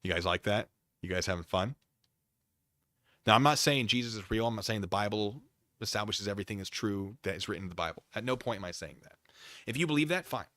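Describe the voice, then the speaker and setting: A male streamer talks to his chat in a casual but theatrical way. His pitch swings widely around an average register, and he leans hard on his points. The voice is bright and sits in a dry space. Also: expressive, fast talker, no echo. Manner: theatrical, emphatic, exasperated debating. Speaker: livestream host. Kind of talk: casual livestream chat with viewers.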